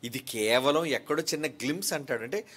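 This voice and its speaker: A man preaching a sermon as a pastor. He keeps asking rhetorical questions of his listeners and swings between quick, raised lines and slow, quiet stresses. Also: medium pitch.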